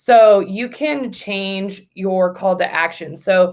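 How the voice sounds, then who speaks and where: With fairly even intonation and medium pitch, a woman talks in a plain, everyday voice. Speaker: real estate team trainer. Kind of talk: tutorial. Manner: casual.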